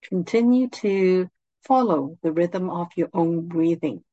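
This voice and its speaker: Speaking in a soothing, fairly low voice, a woman gently and calmly guides listeners through a meditation at a very slow, unhurried pace. The sound is dry and a little dull.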